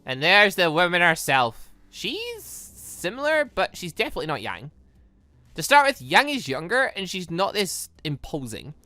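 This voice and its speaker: A gaming host doing let's play commentary and reading game dialogue aloud, animated and rambling, with self-questioning asides. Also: mid-range voice, normal speed, no room sound. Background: game music.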